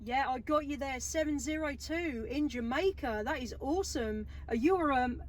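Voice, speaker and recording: A woman speaks in a high voice, calling as an enthusiastic mobile radio operator. She sounds set back from the microphone in a vehicle, with very loud noise all through the recording. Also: moderate pace. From England. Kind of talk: amateur radio contact calls. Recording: noisy radio hobby recording, distant from mic.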